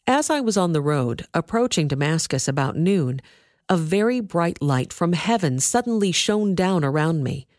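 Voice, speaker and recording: A woman narrating a scripture reading in a measured, expressive way. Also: lowish voice, no echo, clean studio sound. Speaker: reader.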